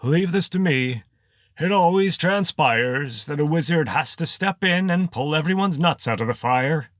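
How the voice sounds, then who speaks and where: A man's voice: on the high side, lively intonation, a little slow, a bit bright, no echo, studio quality, pitched above the performer's own voice. A man voicing a pompous male snake mage who talks in a grand, self-important way. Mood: haughty.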